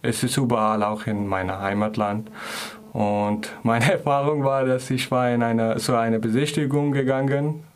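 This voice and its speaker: A man's voice: mid-range voice, moderate pace. A man from Afghanistan, a guest in an interview telling of his own experiences in a hesitant way, searching for words in a learned language. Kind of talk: casual personal account.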